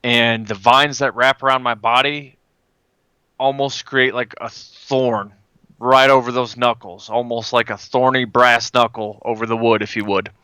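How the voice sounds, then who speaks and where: A man's voice: mid-range voice, fairly even intonation, measured pace, bright, forceful tone, smooth, no room sound. A man playing a tabletop role-playing game, describing his moves in casual, playful table talk.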